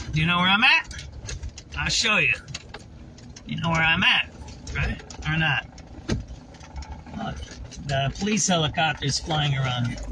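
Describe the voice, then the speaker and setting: Against noticeable background noise, a man speaks at a moderate pace, broken by long, frequent pauses. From Chicago. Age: 50s. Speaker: livestreamer and citizen reporter. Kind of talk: casual live-stream monologue. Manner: casual, repetitive, with false starts.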